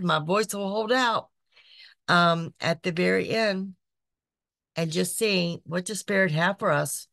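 A woman, hosting a psychic podcast, her voice raspy from being sick, chatty and repetitive. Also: fairly low pitch, fairly bright tone, no room sound, clean studio sound. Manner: chatty, repeats phrases, frequent "okay". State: raspy voice from illness. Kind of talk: casual monthly horoscope reading. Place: small decorated home room.

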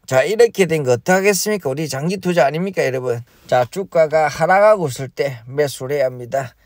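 Man, comic investing vlog, exaggerated groans, slightly high voice. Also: expressive, fairly quick, darkish tone, no echo. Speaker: stock investing YouTuber.

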